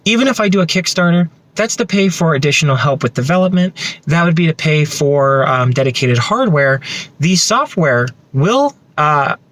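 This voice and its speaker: High-pitched man, enthusiastic tech demo. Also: a bit bright, dry recording. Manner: enthusiastic, conversational. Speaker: tech video creator. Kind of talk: casual project demo and update to viewers.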